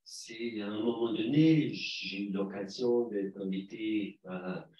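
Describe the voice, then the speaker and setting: A man talks slowly and a little low, hesitating often and repeating words. He sounds far from the mic in a roomy space, and the sound is dull. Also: warm tone. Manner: hesitant, halting with many repeats. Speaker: audience member at a lecture. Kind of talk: conference discussion remark.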